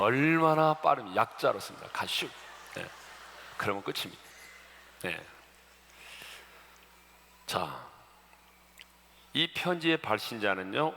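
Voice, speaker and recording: A pastor with a low, creaky voice and sharp tone preaches a sermon in a church sanctuary, frequently calling out to the congregation and joking about regional dialects between points. Long church reverb fills the recording, with slight background noise.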